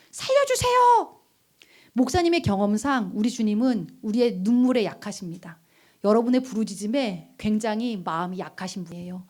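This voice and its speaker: A high-voiced woman pastor delivers a sermon to teenagers. She hammers points home by repeating phrases, swinging from loud urging to hushed, nearly whispered lines. She keeps turning to the listeners with direct questions. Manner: speaks directly to teens with questions. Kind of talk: youth sermon.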